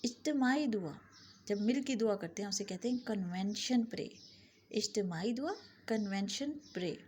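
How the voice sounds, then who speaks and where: A woman teaching English vocabulary, saying each word pair twice and the English words slowly. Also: medium pitch, expressive, a little mellow, a little hiss or hum. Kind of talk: vocabulary lesson.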